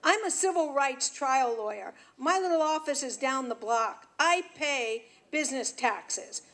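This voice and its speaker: Brisk high-voiced woman debating. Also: animated, a bit bright. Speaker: mayoral candidate, civil rights trial lawyer. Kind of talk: debate answer.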